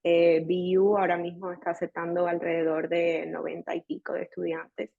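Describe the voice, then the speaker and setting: Mujer sevillana de voz grave y monótona. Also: female voice, on the low side, completely flat delivery, moderate pace, gravelly, dark tone, no echo, dull audio. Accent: Andalusian Spanish from Seville. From Spain. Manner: chatty, mixes English words into Spanish. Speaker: dentist guest. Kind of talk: casual podcast interview.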